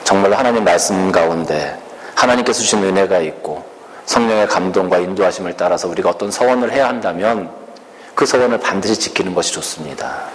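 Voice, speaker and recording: A man preaching a sermon slowly and earnestly, asking the congregation rhetorical questions. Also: low voice. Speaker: pastor. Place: church sanctuary. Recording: reverberant church hall with faint room noise.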